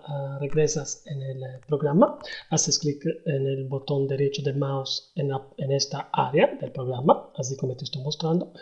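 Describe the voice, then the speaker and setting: A man giving a hesitant step-by-step software tutorial, with many pauses and fillers. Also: medium pitch. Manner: hesitant, many ums and ers. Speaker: tutorial host. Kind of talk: screen-recorded software tutorial. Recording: dull lo-fi voice-over.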